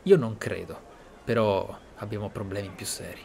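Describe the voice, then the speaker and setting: A man's voice: lowish voice, normal speed, dark tone. A man giving reflective, explanatory commentary as host of a role-play gameplay series. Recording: clear background game ambience noise. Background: game ambience.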